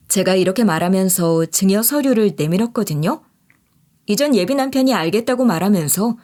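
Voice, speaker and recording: A woman DJ narrating a first-person story in an expressive, mocking storytelling manner. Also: mid-range voice.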